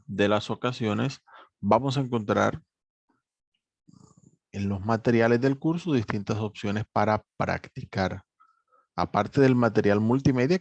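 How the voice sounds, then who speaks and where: Gravelly low-voiced man teaching. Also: a little mellow, no echo, muffled recording. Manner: measured, repeats reminders, many fillers like "obviamente". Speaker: English teacher. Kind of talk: online course lecture.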